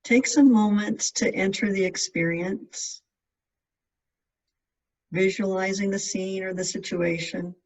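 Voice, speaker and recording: A meditation guide giving gentle, measured instructions in spaced-out phrases. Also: medium pitch, fairly even intonation. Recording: distant mic, dull lo-fi sound.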